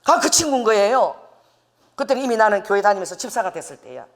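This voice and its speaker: A middle-aged woman pastor preaches a sermon with animation, acting out the voices she quotes and laughing along the way. Her voice is medium-pitched and her pace quick.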